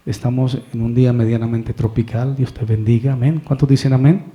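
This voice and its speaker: A male preacher with a Colombian Spanish accent, telling a story slowly and deliberately, acting out the dialogue. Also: mid-range voice, steady tone, muffled recording, a little hiss or hum. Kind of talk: sermon storytelling.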